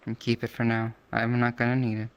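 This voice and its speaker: A man's voice: mid-range voice, monotone, fairly quick, clean tone. A man speaking in character as a player in an online game roleplay.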